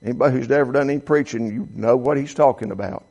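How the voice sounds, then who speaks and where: A seventy-year-old pastor preaches a sermon in a mid-range male voice that's fast, a little mellow, slightly rough, with vocal fry. He reads quotations aloud, often stumbling and restarting his sentences. The sound is lo-fi.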